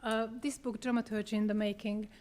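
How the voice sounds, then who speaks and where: A woman from Hungary, presenting her book as a dramaturg in a measured public talk with frequent hesitations, holding a microphone. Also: medium pitch, level tone, darkish tone. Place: theater event space. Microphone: handheld microphone.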